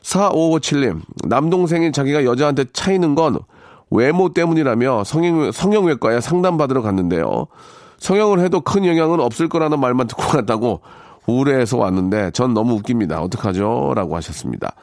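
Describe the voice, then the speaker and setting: Male radio host, polite and conversational, animated delivery with casual asides, close dry studio recording. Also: medium pitch, fairly quick, no room sound. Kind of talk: reading listener stories and commenting, casual radio talk.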